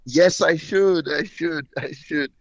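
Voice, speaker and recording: A man's voice: fairly high pitch, slow, dry recording, highs cut off. A male radio host talks casually and often says a phrase twice in a row. His voice sounds dry and close, with no room around it. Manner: friendly, repeats himself, laughs often. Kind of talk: casual on-air chat.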